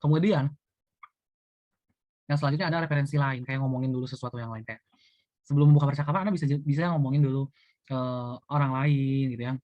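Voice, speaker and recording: Young male student presenter, quick casual lecture delivery, dry lo-fi sound. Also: medium pitch, no echo. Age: young adult. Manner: chatty, many fillers like gitu and eee.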